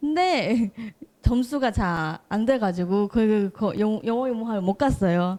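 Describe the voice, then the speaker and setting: Very slowly, a woman speaks with a fairly high pitch, lively intonation and a dark, mellow tone. The recording is very clean, with a silent background. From Myanmar. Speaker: video maker. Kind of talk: casual chat.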